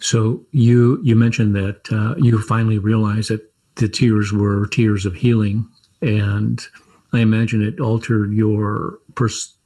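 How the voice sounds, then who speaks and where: A man hosting an interview, asking measured, curious follow-up questions. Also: lowish voice, mellow, poor audio. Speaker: interview host.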